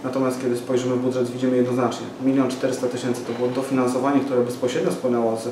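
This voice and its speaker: A man's voice: mid-range voice, flat delivery, racing. A man in his forties making a press conference statement, hesitant with many fillers and restarts. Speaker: local party activist at press conference. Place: small office room with window. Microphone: far camera mic. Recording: echoey room from far off, noisy.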